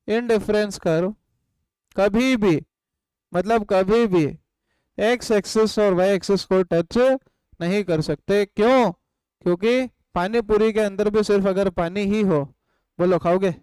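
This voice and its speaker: A man's voice: high-pitched, darkish tone, clear, resonant tone, no room sound, low-quality recording. An economics teacher with an Indian accent, giving a live online lesson. He poses questions to the class, answers them himself and dictates notes word by word.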